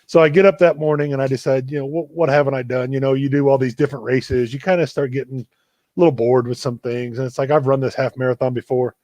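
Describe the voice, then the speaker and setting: A man hosting a live video chat, telling a story in a relaxed, self-deprecating way. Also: medium pitch, fast, no room sound. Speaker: running coach and show host.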